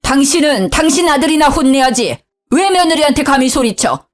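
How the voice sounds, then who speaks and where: A woman voicing an elderly father-in-law who scolds loudly and pleads softly, in a storybook reading. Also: animated, normal speed, faint music behind. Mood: furious. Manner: booming scolding, then low humble pleading.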